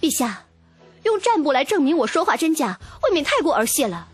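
A woman's voice: sits high, very animated, brisk, soft background music. A woman voicing a proud, sardonic young woman who stands accused at a royal court, cool and mocking, in an audiobook. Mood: defiant, indignant. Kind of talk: audiobook character acting.

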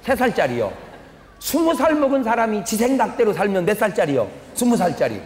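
An older male pastor gives a humorous revival sermon in a high, lively voice. He tells folksy stories and quizzes the audience. The sound echoes through a large church hall with a long reverb. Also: brisk. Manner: folksy storytelling, quizzes the audience, acts out quarrels.

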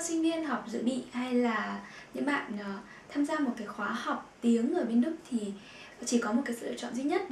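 Slow-spoken woman teaching vocabulary. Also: high voice, darkish tone, recorded from a distance. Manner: repeats words slowly and clearly, with frequent filler sounds. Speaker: German language teacher. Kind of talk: vocabulary lesson. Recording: echoey room with faint background noise.

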